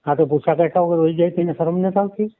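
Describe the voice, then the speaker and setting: Tinny phone line, man in his sixties, Saurashtra Gujarati accent, slightly high voice, terse, plain-spoken. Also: fairly even intonation, very fast. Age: 60s. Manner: terse, plain, gives short agreeing answers. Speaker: caller, husband in a domestic dispute. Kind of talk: casual phone conversation. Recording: tinny, narrow phone-call audio.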